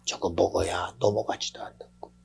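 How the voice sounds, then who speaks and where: A male pastor preaching a fervent sermon, swinging from hushed, whispered lines to shouted climaxes. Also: sits low, flat delivery, a little fast, gravelly, slightly rough, low-quality recording.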